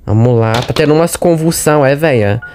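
A man's voice: mid-range voice, fairly quick, darkish tone, soft background music. A man with a Brazilian accent giving chatty let's-play commentary on a horror game, talking straight to his viewers and jumpy at every scare. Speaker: gaming channel host.

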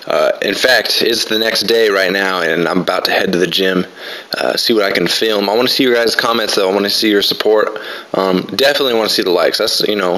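A man in his twenties giving relaxed, rambling voice-over commentary on his own workout, full of fillers. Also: fairly low pitch, poor audio. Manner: laid-back, rambling, many fillers. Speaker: fitness vlogger.

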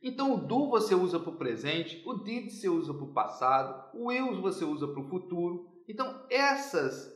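A man's voice: high-pitched, sing-song, moderate pace, hardly any pauses, fairly bright tone, reverberant. A businessman who runs an English school, explaining in a teaching manner during an interview and checking in often with his listener. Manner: didactic, checks in with "tá certo?" often.

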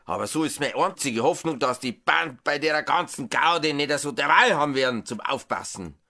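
An actor playing a gruff farmer father with a Bavarian accent, blunt and reproachful, in an audiobook drama. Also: on the high side, lively intonation, moderate pace, bright, forceful tone. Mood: stern outrage. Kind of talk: dialect audiobook drama acting.

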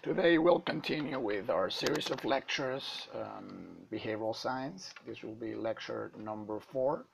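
A man with a hoarse voice from a flu, giving a halting lecture over slides to medical students. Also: mid-range voice, slight background noise. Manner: halting, many uh fillers. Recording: dull lo-fi.

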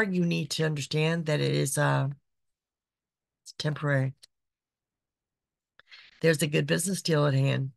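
A woman, hosting a psychic podcast, her voice raspy from being sick, chatty and repetitive. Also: sits low, dry recording. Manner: chatty, repeats phrases, frequent "okay". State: raspy voice from illness. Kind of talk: casual monthly horoscope reading. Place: small decorated home room.

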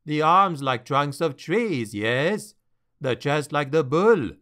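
A man voicing an excitable male sea captain with a French accent and broken, emphatic English. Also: a little high, slow pace, full character voice. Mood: persuasive.

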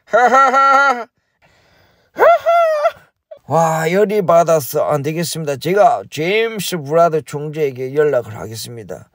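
A man's voice: a little high, animated, moderate pace, few pauses, darkish tone, no room sound, clean studio sound. Comically groaning man. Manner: exaggerated groaning and comic complaining. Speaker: stock investing YouTuber. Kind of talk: comic investing vlog.

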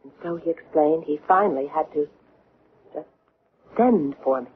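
A woman's voice: sits low, moderate pace, husky. An actress playing a bewildered young woman in an old-time radio drama, recounting an alien abduction in a hesitant, wondering way. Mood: hesitant, earnest. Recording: tinny, band-limited, noisy radio recording.

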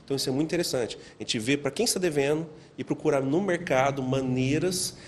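A Brazilian man in his forties gives explanatory interview answers. He talks quickly in a mid-pitched voice. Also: a little hiss or hum. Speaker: financial expert interviewee. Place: indoor office. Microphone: handheld interview microphone.

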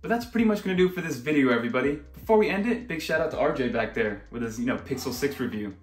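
A young tech YouTuber casually walks through a tablet browser's features on screen, chatty and conversational with many fillers. His medium-pitched voice is animated and very fast, with faint music in the background.

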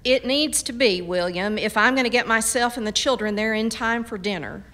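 Actress as no-nonsense pioneer mom, folksy n scolding, sharp voice, radio drama. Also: female voice, fairly high pitch, normal speed, natural voice. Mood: pleading, exasperated. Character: firm, practical frontier mother and wife.

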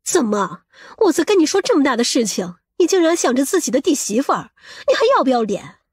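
A woman's voice: sits high, very animated, brisk, dry recording, studio quality. A woman playing a vain, scheming middle-aged mother in an audiobook, with a scolding, boastful and coarse-tongued manner. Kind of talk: audiobook character acting.

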